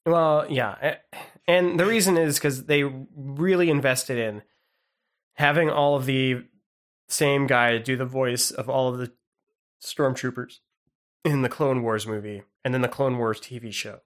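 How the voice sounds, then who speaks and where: A man co-hosting a podcast, chatting casually in a rambling, halting way with lots of "like". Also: mid-range voice, steady tone. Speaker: podcast co-host. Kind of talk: casual chat.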